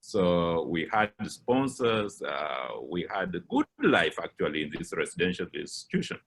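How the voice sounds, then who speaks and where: A middle-aged man with a Kenyan English accent, giving a personal account as a guest speaker, measured and pausing with frequent fillers. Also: low voice, very animated, vocal fry, fairly bright tone. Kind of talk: personal account in a lecture talk.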